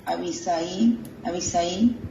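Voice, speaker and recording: Slow, distant woman reading aloud. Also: lowish voice, vocal fry, echoey room. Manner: reads haltingly, stumbling over names. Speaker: student reading scripture aloud. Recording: distant, dull, noisy room.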